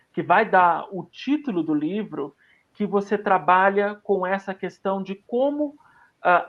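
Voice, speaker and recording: A fairly high-pitched man moderates a literary panel over a muffled, lo-fi video call. He leads the conversation analytically. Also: vocal fry. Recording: muffled lo-fi audio.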